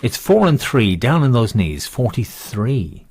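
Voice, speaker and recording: A man's voice: medium pitch, very animated, normal speed, a little mellow, no room sound. A man working as a bingo caller, calling numbers with rhyming nicknames and chatting jokily in between in a rambling way.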